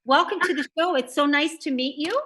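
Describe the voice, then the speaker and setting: A woman's voice: high-pitched, brisk, bright, forceful tone, slight background noise. A woman hosting an interview show, enthusiastic and full of praise for her guest. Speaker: show host.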